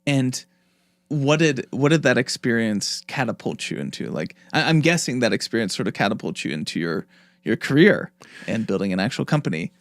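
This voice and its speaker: A man's voice: medium pitch, lively intonation, fairly quick, no room sound. A male host with a mid-range voice, asking curious, loosely worded questions. He strings a few versions of each question together. The recording is dry and close. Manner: curious, stacks several rephrased questions. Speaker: interview host. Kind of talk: casual interview questions.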